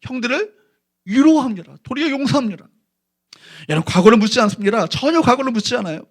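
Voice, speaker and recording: A man's voice: very high-pitched, expressive, fast talker. A middle-aged male pastor preaching a sermon in a church, asking the congregation questions and leading them in reading scripture aloud. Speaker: senior pastor. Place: church sanctuary.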